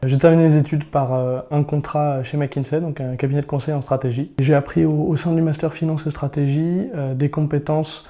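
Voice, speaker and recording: Man with a very dark, mellow tone. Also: fairly high pitch, steady tone, a little fast, few pauses. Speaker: strategy consultant. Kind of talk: testimonial interview.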